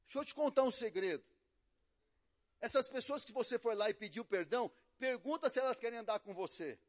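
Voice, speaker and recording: Brazilian male pastor, middle-aged, higher voice, storytelling sermon that drops quiet then surges loud. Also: lively intonation, a little fast. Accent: Brazilian Portuguese. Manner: storytelling, swings between hushed and loud. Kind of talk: sermon with acted quotes.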